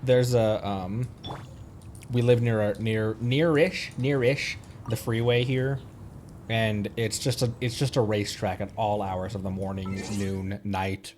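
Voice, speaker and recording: A game livestreamer speaks in a fairly low, steady, slightly mellow voice at a measured pace, with a little hiss or hum on the recording. He rambles casually about the gameplay, thinking aloud and often second-guessing himself as video game music plays.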